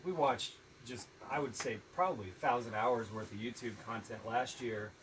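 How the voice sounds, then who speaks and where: A soft-spoken man who is a film producer, talking thoughtfully with frequent ums in a casual live chat. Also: medium pitch, normal speed, recorded from a distance, slight background noise, rough recording. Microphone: phone.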